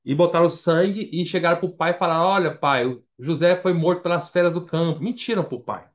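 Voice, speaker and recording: A man's voice: a little high, fairly quick. A Brazilian man preaching a Bible study at church, conversational, reading scripture aloud between casual remarks. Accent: Brazilian Portuguese. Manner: conversational, reads scripture aloud, frequent fillers. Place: church meeting hall. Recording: dull lo-fi church recording.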